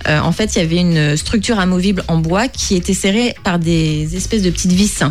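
A woman's voice: lowish voice, a little fast. A woman who is a decor columnist on a radio chat show, explaining in a friendly way with frequent fillers. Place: radio studio.

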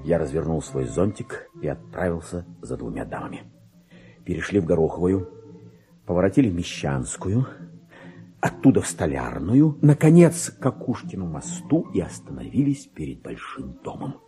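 An actor playing a lowly, self-important and excitable government clerk, delivering his diary as a theatrical radio monologue, with exclamations and hushed muttering in a husky voice. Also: moderate pace, soft background music. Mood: brooding, confiding. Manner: exclamatory, swinging from hushed muttering to shrill rapture. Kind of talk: theatrical dramatic monologue, diary read aloud.

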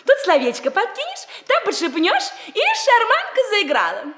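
A cheeky, lovestruck eighteen-year-old daughter in a 1960s radio comedy. Her voice is high and lively. She talks in a pert, teasing way. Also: normal speed, heavily acted.

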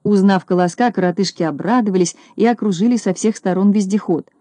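Woman reading a storybook in a dark voice. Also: mid-range voice, brisk, dry recording. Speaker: narrator.

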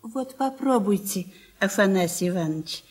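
An actress playing an attentive old country wife in a radio play, solicitous and gently coaxing. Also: female voice, medium pitch, lively intonation, moderate pace, lightly acted. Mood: caring, coaxing.

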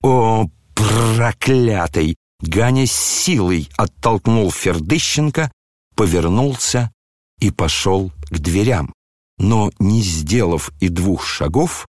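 A man narrating a classic novel as an audiobook in a steady, measured storytelling manner. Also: low-pitched, dry recording, studio quality.

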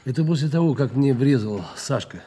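An actor playing a sullen, evasive battered suspect who talks in a rough, dismissive, colloquial way in an audio drama. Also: male voice, medium pitch, lively intonation, a little fast, warm tone.

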